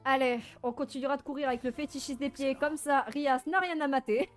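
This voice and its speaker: Female game streamer, high voice, playful and self-mocking, chatty live commentary over faint music. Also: a little fast. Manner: animated, frequent laughing and exclaiming. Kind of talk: casual live gaming commentary.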